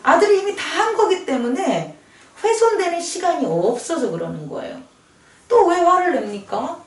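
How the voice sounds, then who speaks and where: A woman's voice: very high voice, sing-song, normal speed, roomy sound, far from the mic. A woman pastor preaching a sermon in a conversational way, often asking the congregation questions. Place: church sanctuary.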